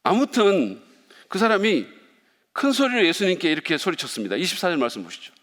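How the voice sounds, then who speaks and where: A man's voice: high voice, wildly swooping pitch, fairly quick, fairly bright tone. A male pastor preaching a sermon, playful and speaking directly to the congregation. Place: church sanctuary. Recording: long reverb of a church hall.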